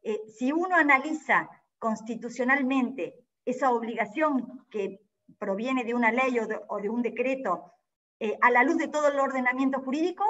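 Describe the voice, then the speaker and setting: A woman giving an academic law lecture in a careful, explanatory way, often pausing to rephrase. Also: fairly high pitch, fairly bright tone. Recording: dull lo-fi audio.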